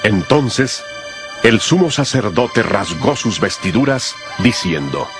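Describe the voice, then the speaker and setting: Low-voiced male Bible narrator. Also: lively intonation, slow. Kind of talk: solemn scripted Bible narration. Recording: music behind the voice.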